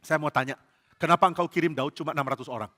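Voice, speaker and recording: A man playing an earnest young prince who questions his father gently and presses his point. The voice sounds a bit lower and quieter than the storyteller's own, in an echoing church. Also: rapid-fire. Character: Saul's earnest young son Yonatan. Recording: church hall reverb.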